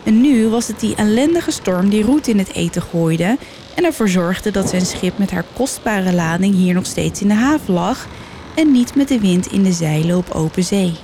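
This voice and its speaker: Woman narrating a legend with measured drama. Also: medium pitch, expressive, warm tone, slight background noise. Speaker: storyteller. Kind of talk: scripted narration.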